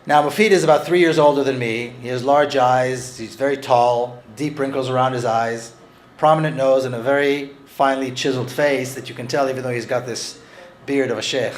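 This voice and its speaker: A man's voice: medium pitch, steady tone, slight background noise. A man talking earnestly about his book, often restarting his phrases. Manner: earnest, halting with frequent restarts. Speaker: author discussing his book. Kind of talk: conversational talk with read-aloud passages.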